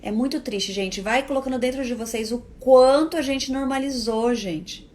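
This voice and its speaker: A woman talking casually to her viewers about parenting, lively and expressive, acting out everyday phrases in her own voice. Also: moderate pace. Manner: expressive, acts out quoted lines in higher voices. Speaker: parenting educator. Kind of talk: casual talk to viewers, live stream.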